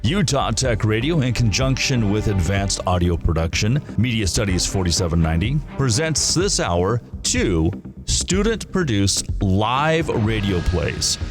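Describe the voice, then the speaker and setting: A man's voice: on the low side, very animated, a little slow. A man reading a scripted, showy introduction as a radio announcer. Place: radio studio, live broadcast. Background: music.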